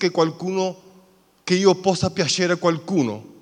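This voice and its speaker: This man has a high pitch. He speaks with a Spanish accent. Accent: Spanish-accented Italian. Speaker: pastor. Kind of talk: sermon. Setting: church. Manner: halting.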